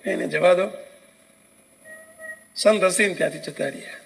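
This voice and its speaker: A man telling a devotional story as a sermon, animated and addressing his listeners directly. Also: sits high, moderate pace, vocal fry, husky, rough recording. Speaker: preacher and storyteller.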